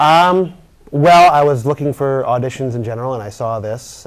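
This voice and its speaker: A man with lively intonation. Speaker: actor. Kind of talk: interview. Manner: quiet, hesitant.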